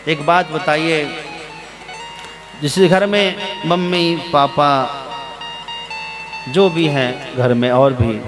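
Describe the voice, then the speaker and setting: Hindu guru guy preaching slow and steady, acts out family chats, bit high voice, guitar music under it. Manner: preachy, acts out household dialogue. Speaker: Hindu spiritual teacher. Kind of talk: religious discourse.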